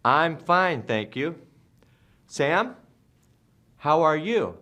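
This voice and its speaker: Man, teacher from the United States, very slow drilling, animated pitch, repeats words for students. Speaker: English teacher.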